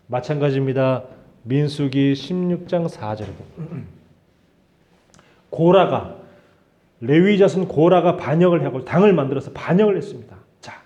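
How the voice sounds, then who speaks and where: Man preaching, high voice, very lively pitch, mellow tone, dull lo-fi church recording. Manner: animated, conversational preaching with acted-out quotes. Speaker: pastor. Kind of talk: sermon. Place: church sanctuary.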